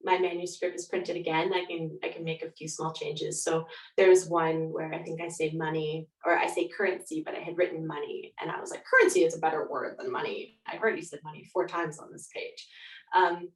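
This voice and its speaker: A woman with a slightly low voice talks conversationally as an interviewed author. The sound is roomy and echoing, and she sits some distance from the microphone. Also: level tone, a little fast. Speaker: guest author.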